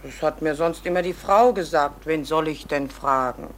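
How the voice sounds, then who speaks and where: An actress playing a caring, plain-spoken village housekeeper in a German radio drama, deferential yet gently insistent. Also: female voice, sits low, normal speed, a little hiss or hum. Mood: timid, insistent.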